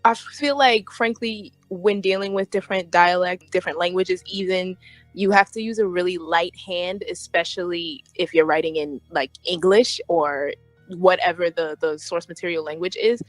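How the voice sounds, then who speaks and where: A woman's voice: lowish voice, fairly even intonation, normal speed, no room sound, faint music behind, low-quality recording. A woman guest on a discussion podcast, giving her opinions casually in a frank, emphatic way. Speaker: podcast guest, fanfiction writer.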